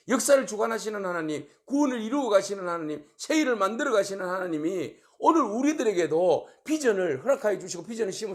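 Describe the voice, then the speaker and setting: A male pastor giving a short daily Bible-reading sermon, retelling the story with animated rhetorical questions. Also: high-pitched.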